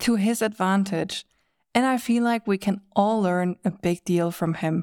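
A woman with a non-native accent and fairly even intonation, in a dry, close sound with no echo and a very clean recording with a silent background. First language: not English. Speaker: podcast host. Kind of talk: interview conversation.

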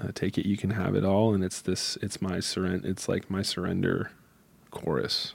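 In an American accent, a man with a very deep, low pitch speaks at a moderate pace in a flat monotone. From Michigan. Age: 30s. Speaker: worship leader. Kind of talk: interview about faith.

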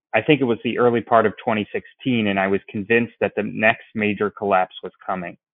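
Here is a man with a normal speaking voice. He keeps fairly even intonation at a moderate pace. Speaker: market commentator. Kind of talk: short market commentary.

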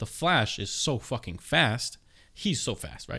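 A man talks at a fairly slow pace in a normal speaking voice of medium pitch. The recording is very clean, with a silent background. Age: 20s. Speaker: podcast co-host. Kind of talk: casual chat.

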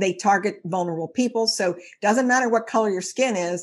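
With a quiet background, a woman talks at a moderate pace, her pitch varying in an ordinary way. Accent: American. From US Midwest, Cincinnati, Ohio. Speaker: clergy abuse survivor and advocate. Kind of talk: interview testimony.

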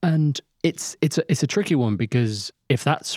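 A man speaks with ordinary pitch variation and a somewhat breathy voice, the sound dry and close with no echo. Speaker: podcast co-host. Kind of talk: casual chat. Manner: joking, animated.

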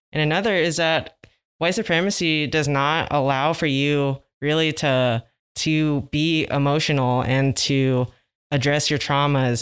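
A man with an American accent speaks at a fairly slow pace in a fairly high pitch, his intonation fairly even, on a very clean recording with a silent background. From Los Angeles, US. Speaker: activist, organization director. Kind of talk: interview conversation.

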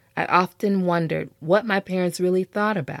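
A woman with an ordinary speaking voice and fairly low pitch speaks with fairly even intonation, on a very clean recording with a silent background and a dry, close sound with no echo. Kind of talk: reading aloud a memoir chapter, intimate first-person recollection of childhood. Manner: warm, unhurried, reflective storytelling.

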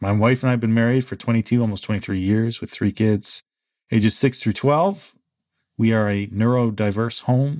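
In an unremarkable speaking voice, a man at medium pitch talks at a moderate pace with fairly even intonation on a very clean recording with a silent background. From New Brunswick, Canada. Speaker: archaeologist and former missionary. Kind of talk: interview conversation. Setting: studio.

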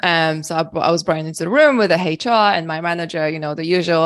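In a Polish accent, a woman speaks at a fairly quick pace with a very deep, low pitch over a quiet background. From Poland. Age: 30s. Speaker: marketing director and dance studio founder. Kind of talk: casual interview chat.

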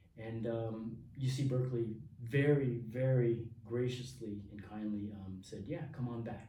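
The man's somewhat breathy voice has a dark, mellow tone and fairly even intonation. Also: medium pitch for a man, big swings in loudness. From Los Angeles, California. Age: 50s. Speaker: former gymnast and business owner. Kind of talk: casual interview chat.

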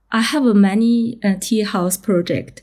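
Her tone dark and mellow, a woman with a fairly high voice talks fairly slowly. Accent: Chinese. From China. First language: Mandarin Chinese. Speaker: architect and lecturer. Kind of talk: interview.

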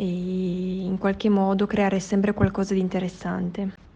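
The woman's pitch is medium. Her pace is fairly slow. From Romania. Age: 20s. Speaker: university student. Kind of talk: personal testimony.

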